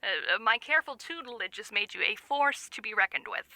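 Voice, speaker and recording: A woman's voice: mid-range voice, expressive, fairly quick, bright, forceful tone, no room sound. A woman playing a bossy, playfully menacing young best friend in an audio drama, sardonic and mock-formal. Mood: teasing. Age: young adult.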